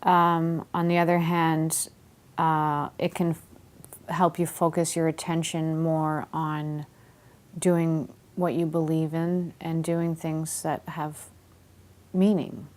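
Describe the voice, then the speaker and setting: A woman in her forties giving thoughtful, deliberate personal testimony in an interview. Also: sits low, level tone, darkish tone. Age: 40s.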